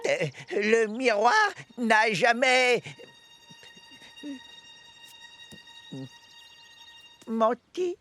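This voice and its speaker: High-pitched, hesitant magic mirror. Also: male voice, fairly even intonation, slow pace, pushed and bright, soft background music, heavily acted. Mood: reluctant. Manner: hesitant, mock-formal, servile. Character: nervous, obsequious talking magic mirror in a children's play. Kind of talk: theatrical children's cartoon dub.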